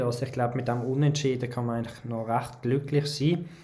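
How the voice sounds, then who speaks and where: A man speaks in a fairly high, somewhat breathy voice, with audible room echo. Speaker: podcast host. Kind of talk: casual chat.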